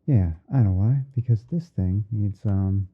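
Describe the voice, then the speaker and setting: A man with a very deep voice talks through an editing task on an ASMR stream. He is unhurried, half talking to himself as he works. The audio is narrow and muffled, like a phone line. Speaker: streamer hosting a roleplay. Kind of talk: ASMR livestream, narrating photo editing step by step.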